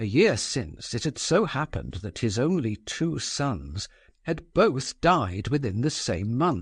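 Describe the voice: What you hear is plain reading aloud.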